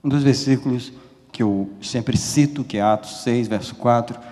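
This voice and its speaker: A man preaching a sermon as pastor, swinging from loud urging to hushed, confessional asides. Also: mid-range voice, normal speed. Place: church hall. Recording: long hall reverb.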